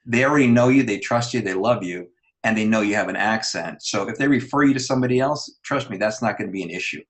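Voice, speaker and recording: A man's voice: lowish voice, fast. A man on a panel giving casual advice in an encouraging, reassuring manner.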